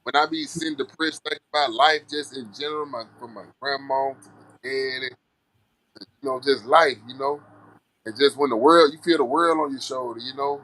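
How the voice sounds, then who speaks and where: A man's voice: medium pitch, fairly even intonation, normal speed, fairly bright tone, low-quality recording. A man from Alabama with a Southern Black American accent, chatting casually and earnestly in a folksy way as an interview guest. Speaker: music artist guest.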